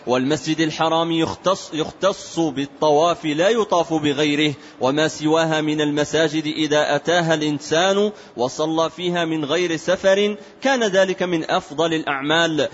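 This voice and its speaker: A man reads a religious text aloud in a flat, level monotone. His voice is slightly high. The recording is muffled, with faint noise behind him. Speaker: student reading a text aloud.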